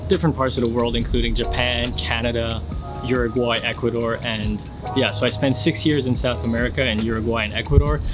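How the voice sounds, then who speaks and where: A young man from France answering viewer questions in a relaxed, casual vlog, reading each question aloud before answering at length. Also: medium pitch. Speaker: fashion YouTuber. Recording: music playing underneath.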